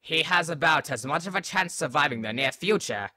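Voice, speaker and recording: A man's voice: on the high side, animated, brisk, sharp tone, no room sound, full character voice. A man playing a brash, mocking, slightly unhinged Christmas spirit in a fan audio drama, with flippant, theatrical delivery. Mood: mocking, impatient.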